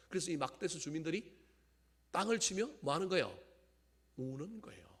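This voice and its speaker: A male pastor preaching a sermon in church, firing rhetorical questions at the congregation and swinging from loud exclamations to low, quiet appeals. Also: husky. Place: church service.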